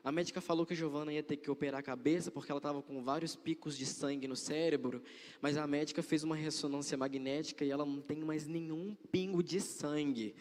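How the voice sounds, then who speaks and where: Young guy w/ doing a church testimony, kinda high voice, lots of hall echo. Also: fairly even intonation, fast. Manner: earnest, repeats phrases for emphasis. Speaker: church member giving testimony. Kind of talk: religious testimony. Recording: long hall reverb.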